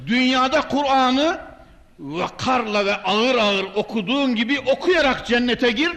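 Older male preacher, high-pitched oratorical delivery at a pulpit microphone in a long-reverb hall. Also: a bit bright. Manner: emphatic, oratorical, addressing the congregation directly. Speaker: mosque preacher. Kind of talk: sermon from the pulpit, with Quran quotations. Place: large mosque, indoors.

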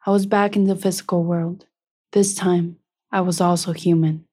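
A woman voicing an earnest young maize plant reborn as a human, narrating a first-person story in a deliberate, emotive way. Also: on the low side, level tone, mellow, slightly rough. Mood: reflective. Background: music.

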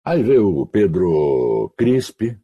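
A man from Mato Grosso do Sul in Brazil, a radio announcer guest on an online call, telling slangy anecdotes with lively, acted-out quoted voices. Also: on the low side, slow pace, slightly rough. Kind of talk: casual storytelling.

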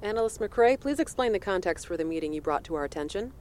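An actress playing a female senator running a hearing, measured and coaxing. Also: mid-range voice, animated, a little mellow, slight background noise, close to an everyday voice. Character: poised, probing female senator. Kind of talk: audio drama acting.

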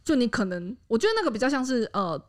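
A Taiwanese-accented woman chats quickly on a podcast. Her pitch moves around a lot as she explains. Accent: Taiwanese Mandarin. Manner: lively, chatty. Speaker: Japanese and Korean translator. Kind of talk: casual chat.

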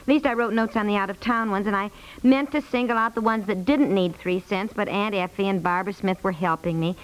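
A woman's voice: medium pitch, steady tone, fairly quick, natural voice, low-quality recording. An actress playing a weary, nagging young wife and mother in 1950s radio comedy style, chattering defensively. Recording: vintage 1950s radio recording.

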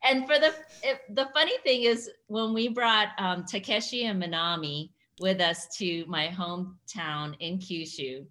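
A woman's voice: on the low side, measured pace, hardly any pauses, pushed and bright. A woman in her sixties, a guest in a casual interview, telling stories and laughing often. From United States. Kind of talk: casual conversational storytelling.

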